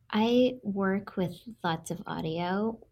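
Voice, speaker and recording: Vocal fry and ordinary pitch variation come through on a very clean recording with a silent background. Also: woman. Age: 20s. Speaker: painter. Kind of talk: interview.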